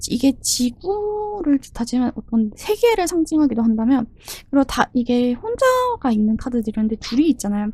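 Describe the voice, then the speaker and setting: Her voice is high-pitched, with a dark, mellow tone and very even loudness throughout. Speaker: tarot reader. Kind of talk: tarot reading monologue. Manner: fast; halting.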